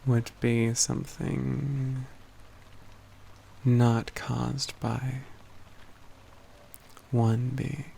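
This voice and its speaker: A man's voice: medium pitch, flat delivery, gravelly, mellow, slight background noise, full character voice. A man playing a composed, learned mage companion in a fantasy ASMR roleplay, speaking in formal, old-fashioned phrasing with a dry, teasing wit. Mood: thoughtful, explaining. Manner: measured, formal old-fashioned wording, dryly wry.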